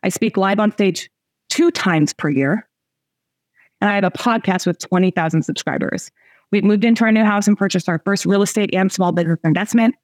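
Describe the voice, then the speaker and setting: A coach and host in her forties talks to a group at medium pitch and a brisk pace, with no echo in the recording. Her motivational delivery is chatty and emphatic, full of laughter and direct appeals to her listeners.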